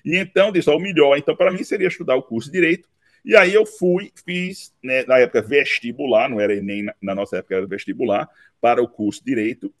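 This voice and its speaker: A man, recounting his life story in an interview, unhurried and dotted with tag questions. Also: medium pitch, no echo, studio quality. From Recife, Brazil. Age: 50s. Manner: unhurried, with frequent "né" tags and restarts. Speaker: interview guest, law professor. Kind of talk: relaxed autobiographical interview.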